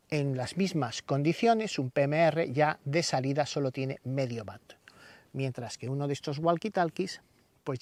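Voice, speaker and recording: A man's voice: medium pitch, dry recording. A man giving a didactic explainer as a channel host, stressing the openings of his phrases. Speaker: radio hobby channel host. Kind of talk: explainer to camera, semi-scripted tutorial.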